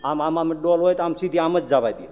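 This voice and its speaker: A male preacher with a notably high voice tells devotional stories, acting out each character. He speaks straight to his listeners in an animated way. A long reverb rings through the hall around him. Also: brisk, dull audio. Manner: animated, acts out characters, addresses audience directly. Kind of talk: devotional storytelling sermon.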